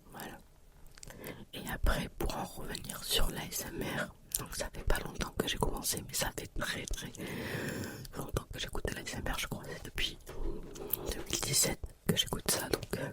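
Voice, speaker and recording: Over noticeable background noise, a woman whispers with long, frequent pauses. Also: fairly slow pace. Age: 20s. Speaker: ASMR creator. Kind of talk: ASMR whisper talk. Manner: whispered.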